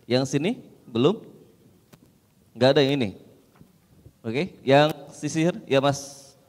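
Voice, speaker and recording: A man's voice: mid-range voice, animated, darkish tone, big-room sound. A man moderating a question session, politely handing out turns to the audience. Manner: polite, directs turns briskly.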